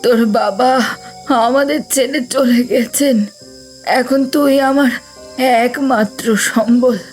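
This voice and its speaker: An actress playing a sick, frail village mother who talks slowly in pain, in a horror audio drama. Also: a little high, fairly even intonation, a little mellow, soft background music. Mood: pained fearful. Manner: pained, slow, pleading.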